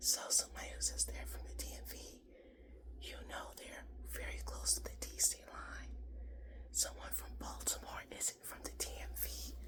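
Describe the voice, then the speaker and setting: The speaker has an American accent and a fairly slow pace. Background noise is noticeable. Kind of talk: casual late-night talk to camera. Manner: whispered, soft.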